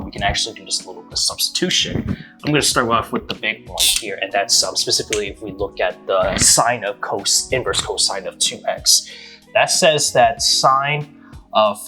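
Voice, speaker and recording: A man's voice: on the low side, sharp tone. A man explaining a math problem step by step in a casual, hesitant way, with many ums and restarts. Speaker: math tutor.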